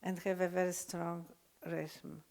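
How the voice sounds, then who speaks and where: An older woman with a Polish accent, lecturing unscripted, halting often with fillers and restarts. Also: on the low side, level tone, vocal fry, darkish tone. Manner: hesitant, many fillers and restarts.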